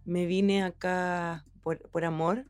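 A woman's voice: on the low side, level tone, takes it slowly, darkish tone, smooth, soft background music. A Chilean woman in her thirties with a Chilean accent, answering interview questions in a rambling, casual way with lots of fillers. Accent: Chilean Spanish. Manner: rambling, many fillers and restarts, laughs easily. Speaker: designer, interview guest.

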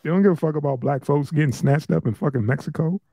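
A man co-hosting a casual podcast chat, loose, profane and quick to laugh. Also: on the high side, creaky, mellow, no room sound. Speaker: podcast co-host.

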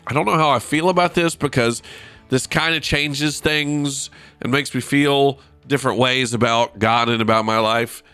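A man's voice: medium pitch, a bit bright, dry recording. Guy hosting a casual faith podcast, stuffed up sinuses, nasal like he's pinching his nose, folksy and informal, music behind him. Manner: informal, self-deprecating, folksy. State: blocked sinuses. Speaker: Christian podcast host. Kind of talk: casual devotional podcast talk. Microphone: close podcast microphone.

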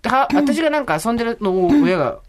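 A middle-aged woman co-hosting a radio talk show, chatting casually and telling stories with lively energy. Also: fairly high pitch, brisk. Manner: lively, animated storytelling. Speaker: radio co-host. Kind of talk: casual chat.

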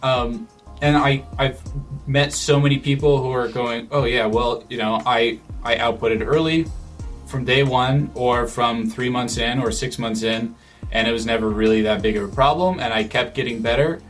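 A man speaks at an ordinary middle pitch in relaxed conversation, pausing and restarting as he works out his thoughts. Faint music plays softly behind him. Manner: thoughtful, with frequent restarts and fillers. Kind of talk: casual conversational chat.

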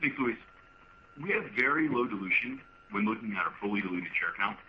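A man answering investor questions as a finance executive, explaining in a measured way and often repeating words. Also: medium pitch, wildly swooping pitch, vocal fry. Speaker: finance executive on an earnings call. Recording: muffled, faintly noisy conference line.

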